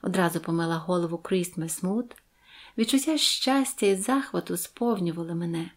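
A woman narrating a Christmas fairy tale in the first person, gentle and expressive. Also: on the low side, normal speed. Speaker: audiobook narrator. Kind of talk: storytelling narration.

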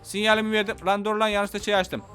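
A man giving casual gameplay commentary, excitable, shouting angry threats one moment and muttering calmly to himself the next. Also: high-pitched, quick pace, soft background music. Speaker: gameplay YouTuber.

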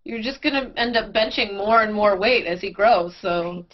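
A woman's voice: mid-range voice, normal speed. A woman in her thirties co-hosting a live science webcast from home on a headset, bantering playfully and laughing often. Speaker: science show co-host. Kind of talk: casual chat on a live webcast. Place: bedroom at home, indoors. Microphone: headset mic, video call. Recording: dull lo-fi webcast audio.

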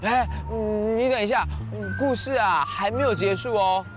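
Kids' show presenter: man, high-pitched, coaxing and drawn-out, speaking outdoors with music underneath. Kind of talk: talking to young children.

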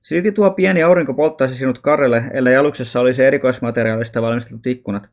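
A man reading a children's novel aloud as an audiobook, in a calm, even storytelling manner. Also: mid-range voice. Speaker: audiobook reader.

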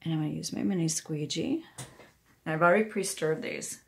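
A woman's voice: low-pitched, a little fast, creaky, slight background noise. A woman giving a casual hands-on craft demonstration, talking herself through each step. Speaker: craft tutorial host, independent product demonstrator. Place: indoors at a wooden craft table.

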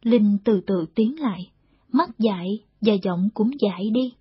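A woman narrating a war novel in a steady, measured storytelling read, in a dull lo-fi audiobook recording. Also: mid-range voice, slightly rough, no room sound.

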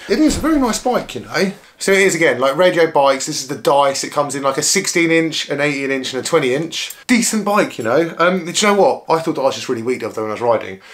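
A hoarse man in his thirties chatting casually to camera about bikes in a small living room. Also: fairly high pitch, animated, quick pace. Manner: chatty, upbeat, full of filler "like"s. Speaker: bike vlogger. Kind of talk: casual vlog chat to camera. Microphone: camera close up.

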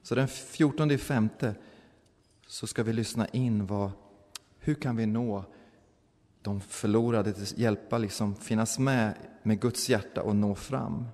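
A man, a pastor, telling a story in a sermon in a relaxed, conversational way, often restarting his sentences. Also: lowish voice. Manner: conversational, with restarts and quoted voices. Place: church. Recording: church hall with long reverb.

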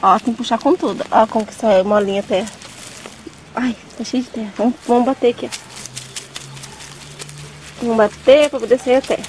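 Walking outdoors through a farm vegetable garden, a young Brazilian vlogger points out plants and talks casually to her audience in a Brazilian Portuguese accent. Her fairly high, slightly mellow voice comes through a low-quality recording with a little hiss or hum.

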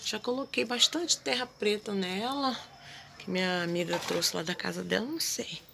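A woman in her thirties from Brazil, vlogging casually at home on her phone and chatting warmly to her viewers. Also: medium pitch, moderate pace, vocal fry, noisy background. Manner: chatty, gushing, addresses viewers as "gente". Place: house porch and kitchen at dusk. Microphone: handheld phone at arm's length.

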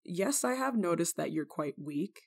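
A woman playing a kindly, rule-breaking nun in an ASMR roleplay, speaking to the listener in a gently teasing, caring manner. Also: fairly low pitch, animated, normal speed, vocal fry, breathy edge, exaggerated voice. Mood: amused teasing. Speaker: roleplay voice actor.

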